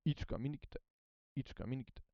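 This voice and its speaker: A man's voice: medium pitch, rapid-fire, lo-fi sound, noisy background. A man who is not a native Japanese speaker, thinking aloud and repeating phrases as he works through them in a casual study vlog. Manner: hesitant, repeats phrases while translating. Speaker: language learner.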